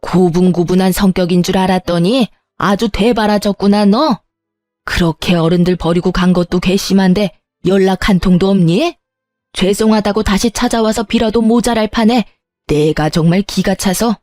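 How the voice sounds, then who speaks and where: Woman voicing a middle-aged mother-in-law, scolding, sarcastic, mellow dark voice, dry sound. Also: mid-range voice, normal speed, no room sound, faint music behind, lightly acted. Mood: indignant.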